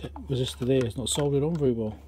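Brief: man, mid-pitched, repair-bench commentator talking to himself, faint hum behind. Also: fast talker, dark tone. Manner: muttering, thinking aloud while working. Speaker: electronics repair presenter. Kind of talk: casual workbench commentary. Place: electronics workbench indoors.

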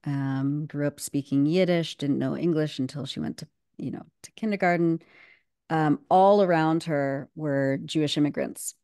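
A woman in her thirties with a low, mellow voice speaks as a guest on a video call. She talks fluently and with emphasis, full of "um" and "you know", and the sound from her home webcam is dry and close. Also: moderate pace, clean tone, no room sound. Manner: fluent and emphatic, with many fillers. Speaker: guest commentator. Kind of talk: casual video-call discussion.

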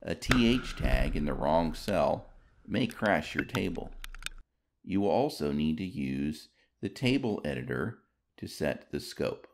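Low gravelly guy doing a scripted how-to voiceover. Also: very animated, unhurried, slight background noise. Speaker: tutorial narrator. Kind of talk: scripted instructional narration.

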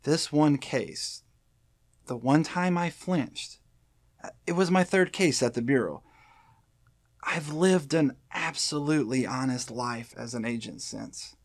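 An actor playing a weary, haunted senior FBI agent in an audio drama, speaking in a grave, halting, pleading way. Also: male voice, mid-range voice, dry recording, clean studio sound. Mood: earnest, pleading.

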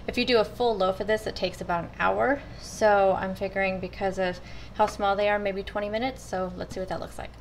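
A woman with a medium-pitched, fairly even voice talks briskly over a slight hiss or hum. She's a cooking vlogger in her home kitchen, chatting casually with viewers and calling them "you guys" as she walks through her meal prep step by step.

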